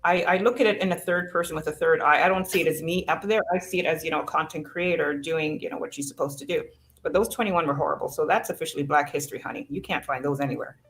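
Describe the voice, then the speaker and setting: A woman's voice: low-pitched, quick pace, poor audio. A woman born in Jamaica and raised in Canada, a content creator talking casually and sassily in an interview, calling people "honey". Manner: sassy and encouraging, says "honey".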